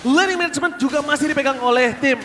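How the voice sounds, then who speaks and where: A man with an Indonesian accent commentating live on an esports match, given to theatrical, drawn-out calls. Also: very high-pitched, background noise. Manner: theatrical, drawn-out shouted calls in big moments. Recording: echoey shoutcast mixed over loud music.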